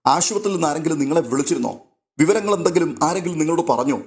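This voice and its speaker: A man's voice: a little high, expressive, rapid-fire, darkish tone, voice pushed up. A man voicing a stern middle-aged husband who questions sharply. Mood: angry.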